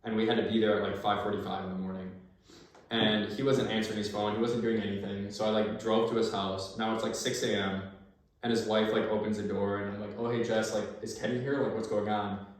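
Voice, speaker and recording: A man's voice: lowish voice, little pitch movement, brisk. An American man, a former army sniper, chatting as a podcast guest, swearing freely and acting out old conversations as he tells stories. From United States. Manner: profane, storytelling, acts out quoted exchanges. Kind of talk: casual chat. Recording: very echoey room, far from the mic.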